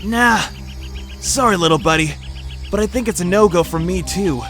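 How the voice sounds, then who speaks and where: A man's voice: sits high, moderate pace, fairly bright tone, soft background music. A man voicing a big, good-natured ape who rules his island, earnest and a bit mock-formal, in a fan audio drama.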